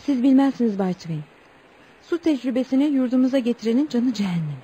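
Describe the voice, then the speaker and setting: A woman's voice: fairly high pitch, animated, fast talker, warm tone, slight background noise, natural voice, low-quality recording. An actress playing an earnest young tribal woman who tells her story politely but with indignation in a Turkish radio play. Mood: grave, bitter. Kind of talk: Turkish radio theatre acting.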